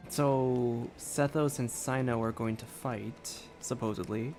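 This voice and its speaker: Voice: medium pitch, fairly even intonation, takes it slowly, darkish tone. A game streamer giving casual reaction commentary in a tentative, rambling way. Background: game music.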